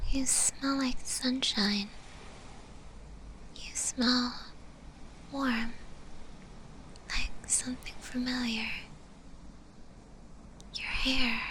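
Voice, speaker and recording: Woman voicing a shy zombie girl, whispered, very slow and halting, gentle, tender, ASMR roleplay. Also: high-pitched, heavily acted, rough recording.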